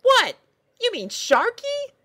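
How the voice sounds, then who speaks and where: A man voicing a perky, bossy female unicorn princess in a story, chirpy and pushy in falsetto. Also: huge pitch swings, slow pace, pushed and bright, full character voice. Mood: cheerful, breezy.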